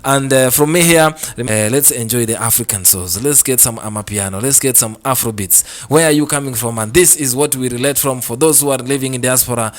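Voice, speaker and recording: A man's voice: medium pitch, fairly quick, hardly any pauses. A man hosting a radio advice segment, speaking earnestly and repeating his points to parents and children listening. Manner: earnest, repetitive, addresses parents and kids directly. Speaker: radio show host. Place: radio studio.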